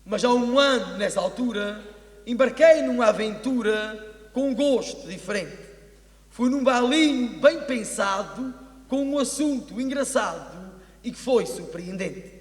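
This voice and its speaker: A man's voice: extremely high pitch, expressive, measured pace. A man performs a rhymed comic stage monologue in a theatrical, declamatory way. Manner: theatrical, declamatory verse delivery. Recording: echoey hall with long reverb.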